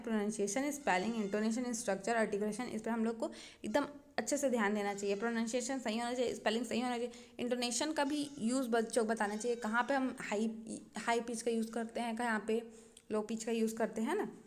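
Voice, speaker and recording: Woman, Chhattisgarh accent, teacher, exam-prep lecture, patient step-by-step explaining, fairly high voice. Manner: explains slowly, often checks with "है ना" and "ठीक है".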